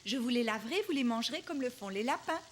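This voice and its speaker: A woman playing a gentle, patient young mother in a children's cartoon, speaking simply and expressively to small children. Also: fairly high pitch, expressive, fast talker, very noisy, natural voice.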